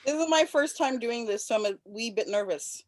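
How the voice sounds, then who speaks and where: A woman's voice: on the high side, animated, fairly quick. A woman chatting casually and informally on a video call, as an amateur actor before a script reading. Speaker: amateur actor in a virtual table read. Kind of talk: casual chat.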